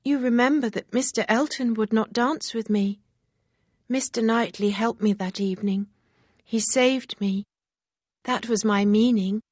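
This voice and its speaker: A woman reading a story aloud, voicing an eager, excitable young woman who speaks in breathless, bright exclamations. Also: on the high side, unhurried, no room sound, studio quality, voice pushed up. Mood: cheerful.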